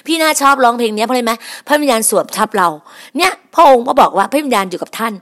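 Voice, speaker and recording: A woman's voice: fairly high pitch, animated, very fast, fairly bright tone. A woman preaching a sermon on her podcast, emphatic and repetitive, often addressing her listeners as brothers and sisters.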